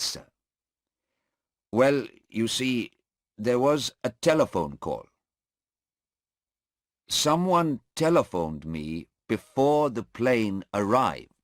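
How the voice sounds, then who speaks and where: A man's voice: medium pitch, no room sound, clean studio sound, pitched above the performer's own voice. A man voicing a nervous, polite airport policeman in a court.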